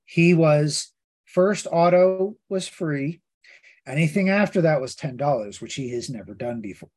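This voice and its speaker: A man's voice: fairly high pitch, lively intonation, unhurried, darkish tone. A man co-hosting a casual comics podcast, telling convention stories with lots of asides and quoted dialogue. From Pittsburgh. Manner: chatty, storytelling with many asides and quoted voices. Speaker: podcast co-host. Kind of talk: casual chat.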